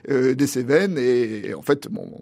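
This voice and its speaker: A man in his sixties from Paris, a pastor thinking aloud as an interview guest, with frequent pauses and restarts. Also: mid-range voice, expressive, creaky, dark tone. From Paris, France. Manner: thoughtful, halting, many pauses and restarts. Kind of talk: reflective interview answers.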